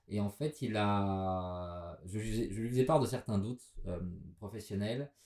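In a very clean recording with a silent background, a man's dark, mellow tone sits at a fairly low pitch with ordinary pitch variation. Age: 30s. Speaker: interior design startup founder. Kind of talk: casual interview. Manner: halting.

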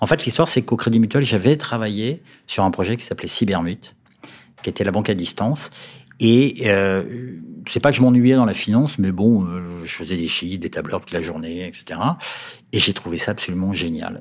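A man speaks at a fairly low pitch and a moderate pace. He leaves long, frequent pauses. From Paris. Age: 50s. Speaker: marketing executive. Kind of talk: interview.

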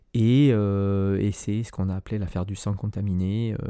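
A man's dark, mellow tone with fairly even intonation, dry and close with no echo, in a very clean recording against a silent background. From southern France (Arles, Provence). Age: 50s. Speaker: musician. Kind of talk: testimony. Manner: halting, many repetitions and hesitations.

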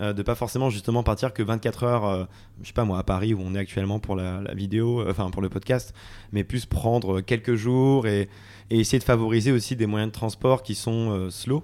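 A man's fairly low voice has a dark, mellow tone and fairly even intonation. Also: moderate pace. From France, Haute-Loire (Auvergne). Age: 30s. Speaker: travel blogger. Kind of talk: casual interview.

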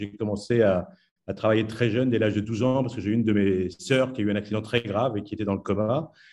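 In a plain, everyday voice, a man speaks at a fairly quick pace with a medium pitch. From France, Blois (Loir-et-Cher). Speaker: nonprofit founder. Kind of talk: interview.

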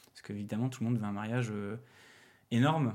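A man's voice, medium in pitch, with fairly even intonation. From Bordeaux, France. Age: 30s. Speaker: wedding photographer. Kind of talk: casual interview. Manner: halting, many fillers.

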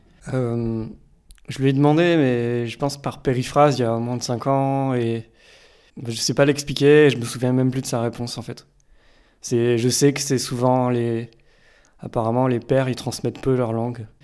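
Speaking at a moderate pace, a man uses a medium pitch and a dark, mellow tone with monotone, flat intonation. He leaves long, frequent pauses, and the recording is very clean with a silent background. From France, Paris area. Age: 30s. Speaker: interviewee. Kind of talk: personal testimony.

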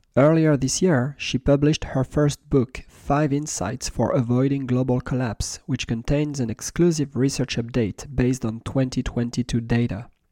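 Recorded very clean with a silent background and a dry, close sound with no echo, a man with a French accent talks at a moderate pace in a medium pitch, his dark, mellow tone and fairly even intonation flowing with hardly any pauses. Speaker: podcast host and professor. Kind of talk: interview.

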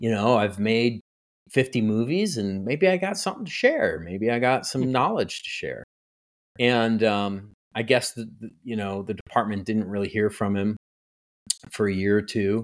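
Talking at a moderate pace in a normal speaking voice, a man with an American accent keeps a medium pitch and ordinary pitch variation. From US Midwest (Ohio and Wisconsin). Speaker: filmmaker and film professor. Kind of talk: interview.

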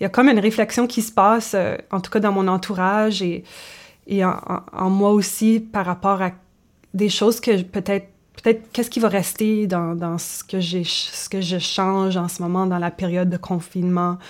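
Clean, silent-background recording of a woman with a Manitoba accent, medium pitch, fairly even intonation and a moderate pace. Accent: Franco-Manitoban French. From Manitoba, Canada (Franco-Manitoban). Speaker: singer-songwriter. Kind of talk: interview. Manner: halting, many repetitions and fillers.

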